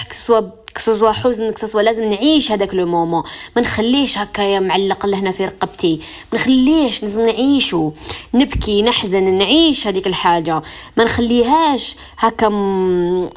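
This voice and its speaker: A young woman with an Algerian accent hosting a radio self-help show, speaking earnestly, repeating phrases for emphasis and slipping French and English words into her talk. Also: medium pitch. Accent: Algerian Arabic.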